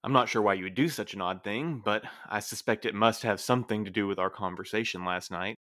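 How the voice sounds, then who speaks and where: A man playing a formal, dry, dutiful postmaster in an audio drama, reserved and earnest with measured, precise wording. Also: lowish voice, pushed and bright. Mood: cool, reproachful. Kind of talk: scripted audio drama acting.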